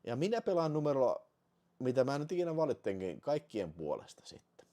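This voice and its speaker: A man hosting a casual livestream, swearing often and swinging between excited outbursts and low mutters. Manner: swears a lot, shifts from excited shouting to muttering. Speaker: channel host.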